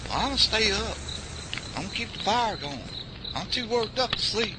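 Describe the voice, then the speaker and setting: A man's voice: high voice, lively intonation, normal speed. A man playing a jumpy buddy, talking outdoors at night. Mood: plain talk. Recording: loud cricket night noise.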